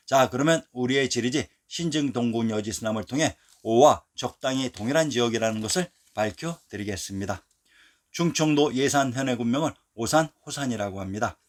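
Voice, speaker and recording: A man narrating a scripted history lesson in a measured, declarative way. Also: medium pitch.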